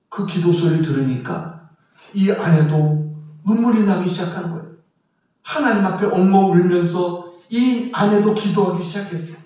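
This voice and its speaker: Male pastor with a high voice, telling a sermon story with emotional swells, recorded far off in a reverberant church. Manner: storytelling, emotional emphasis, quiet drops in voice for quotes. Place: church sanctuary.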